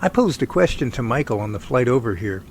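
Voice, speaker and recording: A man playing an earnest research team leader in an amateur audio drama, talking in a folksy, halting way. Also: medium pitch, very animated, a little hiss or hum. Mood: explanatory, friendly.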